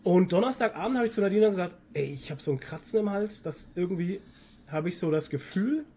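A man's voice: high voice, lively intonation, brisk, warm tone, slight background noise. A man with a cold, chatting casually as the host of a talk podcast. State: sick with a cold.

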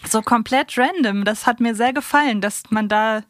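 A woman's voice: fairly high pitch, normal speed, no echo, studio quality. A woman co-hosting a podcast, talking casually and playfully in colloquial speech. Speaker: podcast co-host. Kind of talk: casual chat, personal anecdotes.

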